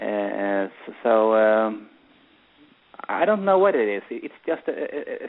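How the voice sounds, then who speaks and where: A man with a Swedish accent, medium pitch and lively intonation. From Sweden. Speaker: radio DJ. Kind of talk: interview. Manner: halting.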